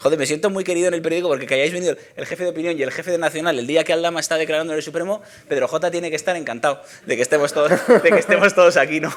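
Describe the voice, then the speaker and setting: Talking at a very fast pace, a man keeps a high pitch and fairly even intonation. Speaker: journalist and poet. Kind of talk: book presentation talk. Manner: halting, many repetitions.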